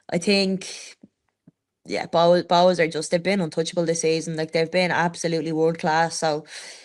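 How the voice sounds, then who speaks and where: A woman with a Dublin accent speaks at a moderate pace and fairly low pitch. Her intonation is monotone and flat against a quiet background. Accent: Dublin Irish. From Dublin, Ireland. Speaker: rugby player and podcast co-host. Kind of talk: sports podcast discussion. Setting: video podcast. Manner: halting, many false starts.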